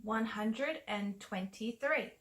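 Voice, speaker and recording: Young woman co-host reading out numbers, slow steady pace, indoors on cam. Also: fairly high pitch. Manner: unhurried, plain prompting. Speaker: co-host of language lesson. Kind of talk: calling out prompts for a lesson. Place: bright indoor room, seated.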